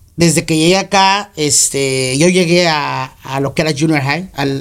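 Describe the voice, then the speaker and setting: The voice has ordinary pitch variation and is an unremarkable speaking voice. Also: man. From Chiapas and Mexico City, then Los Angeles. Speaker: entrepreneur. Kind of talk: interview.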